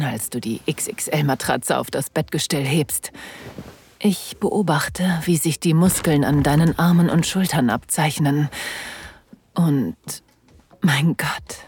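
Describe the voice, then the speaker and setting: A woman playing a breathy, teasing lover. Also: low-pitched, a little mellow, heavily acted. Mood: sultry. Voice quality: breathy, often whispered. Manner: teasing, slow and sensual. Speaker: first-person narrator and lover. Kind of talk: erotic audio drama.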